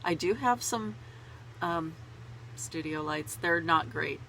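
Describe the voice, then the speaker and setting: Woman vlogger with a head cold: bright, gravelly, stuffy-nosed, rambling and laughing at herself. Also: fairly low pitch, takes it slowly, a little hiss or hum, poor audio. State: congested with a cold. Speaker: knitting vlogger. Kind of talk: casual chat to camera. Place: small home closet.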